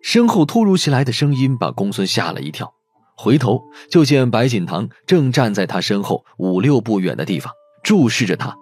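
A man's voice: medium pitch, very animated, moderate pace, darkish tone, breathy edge, soft background music. A man reading a novel aloud as a dramatic audiobook narrator.

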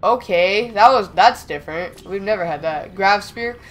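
Excitable young man, sick and raspy. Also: high voice, moderate pace. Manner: chatty, excitable, talks to the game. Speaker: gaming channel host. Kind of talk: casual gameplay commentary.

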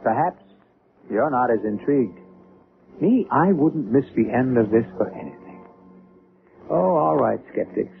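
An actor as the wry host and narrator of an old-time radio drama, speaking in a deliberate, theatrical way. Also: male voice, mid-range voice, lively intonation, creaky, phone-quality sound, soft background music. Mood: wry, teasing. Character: wry, theatrical male host of suspense tales. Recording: band-limited old radio recording.

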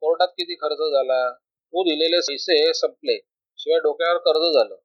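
A man's voice: a little high, steady tone, moderate pace, dry recording, natural voice. A man voicing a worried, tearful older mother who complains and pleads, in a storybook reading on a dull lo-fi recording.

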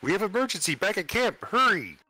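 Panicky old man adventurer, played by a male gamer, raised pitch, sharp and urgent, dry sound. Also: sing-song, brisk, no room sound, soft background music, full character voice. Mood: panicked. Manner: urgent, panicky, repeating himself.

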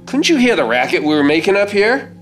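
A man's voice: high voice, very animated, a little fast. A middle-aged man playing a tough, sarcastic, take-charge survivor with a blunt, folksy manner in a radio play. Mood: sarcastic, stubborn. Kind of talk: stage radio-play acting. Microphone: stand microphone on a stage. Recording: loud music under stage performance.

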